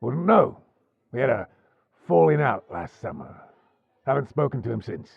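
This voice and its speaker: A man playing a wary, gruff pirate overlord in an audio drama, gravelly and husky, with a sardonic drawl. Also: medium pitch, big pitch swings, moderate pace, no room sound, phone-quality sound, exaggerated voice. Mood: cool, guarded. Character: wary, gruff male pirate overlord, dryly amused and menacing. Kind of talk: audio roleplay acting.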